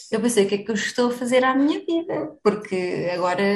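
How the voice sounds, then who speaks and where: Her intonation is lively. The woman keeps to a moderate pace. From Portugal, Coimbra. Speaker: stepmother sharing her experience. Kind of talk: interview conversation.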